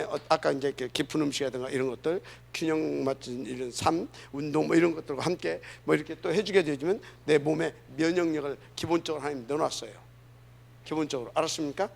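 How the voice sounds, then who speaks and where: Male pastor, middle-aged, fairly high and gravelly voice, earnest preaching style with rhetorical questions. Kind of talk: sermon. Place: church.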